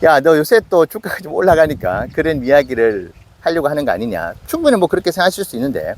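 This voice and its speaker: Casual investing host, man in his late forties, lively delivery. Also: fairly high pitch, quick pace. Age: 40s. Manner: conversational, self-questioning with acted asides. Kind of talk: casual investing talk to camera.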